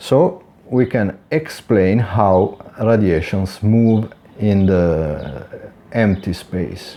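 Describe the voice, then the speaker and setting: Here a man speaks at a very slow pace. His pitch is fairly low, with ordinary variation. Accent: non-native. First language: not English. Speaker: flat-earth video maker. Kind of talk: casual lecture. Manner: halting, many fillers.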